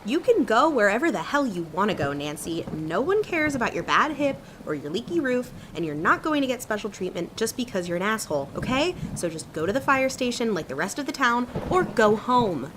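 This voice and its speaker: A woman's voice: on the high side, very animated, brisk, few pauses, noisy background. A woman playing a blunt, defiant young daughter of a mayor in an audio drama, curt and sardonic. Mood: fed up, angry.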